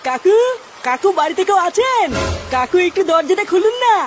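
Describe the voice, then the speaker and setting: A woman's voice: very high voice, very animated, normal speed, over music. A woman voicing a bossy, practical male friend in a comedy cartoon, with slangy, insistent talk. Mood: pleading. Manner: giving orders, coaxing, slangy.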